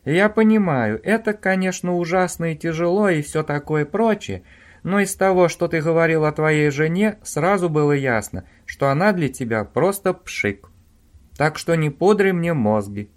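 A man's voice: a little high, lively intonation, normal speed, voice pushed up, natural voice. A man voicing a demanding young woman who presses her lover on the phone, insistent and pushy.

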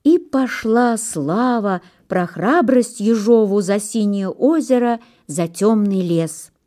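A woman narrating fairy tales in a storybook reading, measured and expressive in her delivery. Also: mid-range voice.

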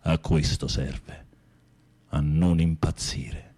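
An actor playing a bitter, theatrical gay schoolteacher in prison in a radio drama, sardonic and musing. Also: male voice, very deep voice, steady tone, slow, dark tone, slight background noise, full character voice. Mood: dreamy, despairing. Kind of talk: Italian radio theatre acting.

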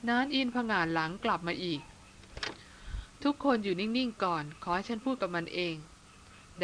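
A woman narrating a novel aloud in a steady, measured storytelling manner. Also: fairly low pitch, a little hiss or hum. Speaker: audiobook narrator. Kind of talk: dramatic novel reading.

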